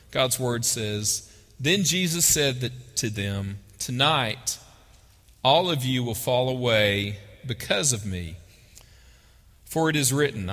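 A man with a Texas accent preaches in a conversational way, reading scripture and pausing to ask his listeners questions. His voice is bright and forceful at a middle pitch. It rings with the long reverb of a large hall. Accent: Texan. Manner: conversational, asks the audience questions. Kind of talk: sermon with Bible reading.

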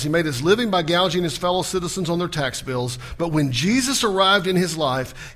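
A pastor preaching a sermon in a church, building to loud emphatic peaks and then dropping into a quiet prayer. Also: male voice, high voice. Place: church sanctuary.

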